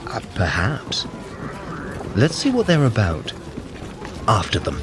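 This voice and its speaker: An actor playing a sly, condescending trickster god in a scripted audio adventure, with haughty, dry, old-fashioned phrasing. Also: male voice, on the low side, wildly swooping pitch, slow pace, noisy background, exaggerated voice. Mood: scheming. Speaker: fitness workout guide character.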